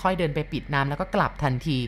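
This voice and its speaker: A woman retelling a listener's ghost story in a casual, chatty way, with polite particles and lively quoted lines. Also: sits low, very fast, a little hiss or hum.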